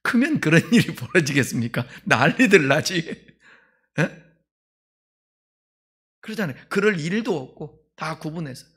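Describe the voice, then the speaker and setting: A male pastor preaching a sermon in a conversational way, asking the congregation questions and swinging between loud emphasis and quiet asides. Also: a little high, very animated, a little slow, pauses often, husky.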